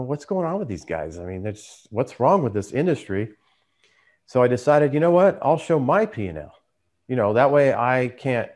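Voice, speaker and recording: A man's voice: medium pitch, darkish tone. A man who hosts a trading channel, telling his story in a casual, conversational way. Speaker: trader and YouTube channel host.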